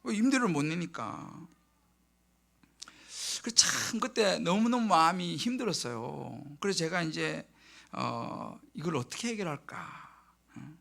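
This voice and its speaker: Male pastor, high bright voice, gravelly edge, animated storytelling sermon. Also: measured pace. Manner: animated storytelling, acts out prayers in hushed tones. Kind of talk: sermon with personal testimony. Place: church sanctuary.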